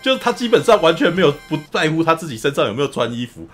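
Fast-talking man recapping a film. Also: a little high, faint music behind. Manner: animated storyteller, often acts out quotes. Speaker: podcast host. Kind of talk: casual film recap chat.

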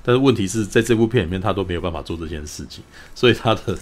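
A man's voice: low voice, rapid-fire. A man, chatting casually as a podcast co-host, rambling and laughing with mild swearing. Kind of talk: casual movie review chat.

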